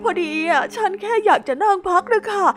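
A woman voicing Suzy, a shy, gentle young female hippo who speaks politely and apologizes often, for a children's storybook. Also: extremely high pitch, expressive, a little fast, pitched above the performer's own voice. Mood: flustered. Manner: polite, soft-spoken, apologetic. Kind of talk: storybook role-play.

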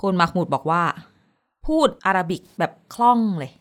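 A woman radio host telling a news story in casual chat, animated when quoting. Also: on the low side, normal speed.

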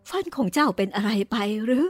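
A woman's voice: a little high, brisk, husky, no room sound. A woman doing a scolding old aunt. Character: flustered old aunt, scolding but soft-hearted. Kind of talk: audiobook reading.

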